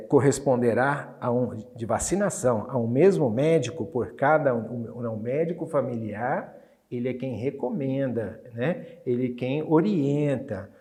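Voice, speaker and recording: A man with a Brazilian Portuguese accent teaching an exam review lesson. He reads Spanish test items slowly, then explains them in a chatty way and keeps checking in with his students. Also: medium pitch, a little mellow.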